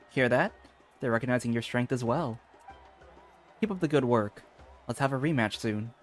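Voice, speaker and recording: Man voicing a lively, confident young fighter. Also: medium pitch, moderate pace, close to an everyday voice. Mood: amused. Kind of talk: video game voice acting. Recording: game music behind the voice.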